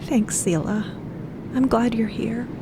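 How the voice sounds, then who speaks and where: A woman's voice: on the high side, takes it slowly, noisy background, voice pushed up. Woman acting a wry, faltering stranded traveller. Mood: awkward gratitude. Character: downcast, awkward, wry stranded young woman. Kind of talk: audio drama acting.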